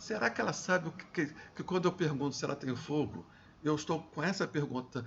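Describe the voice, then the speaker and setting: Somewhat breathy and fairly high in pitch, a man speaks at a fairly quick pace with a Rio de Janeiro accent. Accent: Carioca Brazilian Portuguese. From Brazil, Rio de Janeiro. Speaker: professor. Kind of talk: lecture. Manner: halting, with self-corrections.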